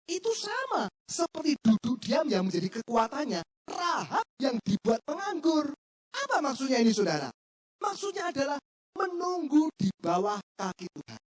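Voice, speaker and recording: A woman preacher delivers a dramatic sermon. Her voice sits a little high and swings very widely, climbing into loud cries and falling back to low, confiding asides. She acts out prayers in a pleading tone. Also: very animated, normal speed.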